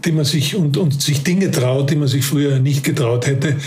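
A man's voice: on the high side, moderate pace, darkish tone. A man in his fifties with a Carinthian Austrian accent, speaking as an interview guest in a reflective way, often repeating words as he searches for them. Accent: Carinthian Austrian German. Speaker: interview guest, former police officer. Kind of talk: casual interview talk.

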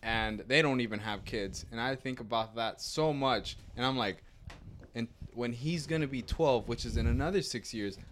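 Podcast host: man, late twenties, mid-pitched, easygoing and reflective. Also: moderate pace, fairly bright tone, slight background noise. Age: 20s. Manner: laid-back, reflective, repeats himself. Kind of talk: casual chat.

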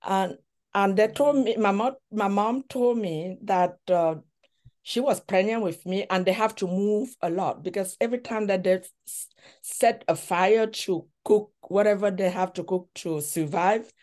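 A middle-aged woman from Cameroon, a relationship coach, telling her story as an interview guest in a thoughtful way with many pauses. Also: mid-range voice, darkish tone. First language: a language of Cameroon. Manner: slow, thoughtful storytelling with frequent pauses and fillers.

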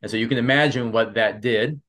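A man's voice: medium pitch, brisk, fairly bright tone. A man who is a pastor and marriage coach, telling his personal story in an earnest interview with frequent restarts. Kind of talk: casual interview.

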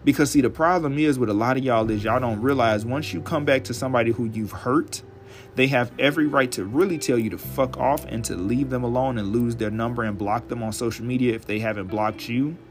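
A male podcast host talking alone in a casual, chatty way, blunt and profane, his voice hoarse and raspy from a dry throat. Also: medium pitch, a little fast. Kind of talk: casual solo podcast monologue.

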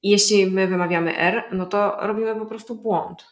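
A woman's voice: mid-range voice, fairly even intonation, normal speed, roomy sound. A woman guest in a casual interview who explains language learning at length, thinking aloud with fillers and restarts. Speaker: polyglot guest.

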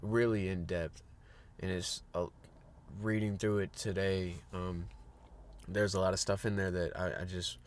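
A man's voice: deep voice, flat delivery, a little slow, slight background noise. A man hosting a fitness podcast in a casual, rambling monologue, sounding a bit congested. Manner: upbeat, rambling with fillers and restarts.

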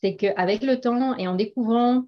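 Speaking at a moderate pace in a slightly high voice, a middle-aged woman appears as a guest in a casual interview. She comes across as earnest and hesitant and laughs a lot, captured in dull lo-fi audio.

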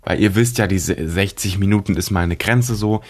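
A man's voice: low voice, moderate pace, a little mellow. A young man with a congested, stuffy nose, chatting informally and rambling solo as a podcast host, mixing in youth slang. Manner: informal German youth slang with English words.

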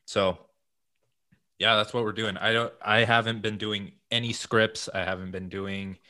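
Deep-voiced man hosting a casual podcast. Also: little pitch movement, measured pace, bright, forceful tone. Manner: casual, swears freely, rambling. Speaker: podcast host. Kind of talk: casual chat. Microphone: headset-style headphone mic over video call.

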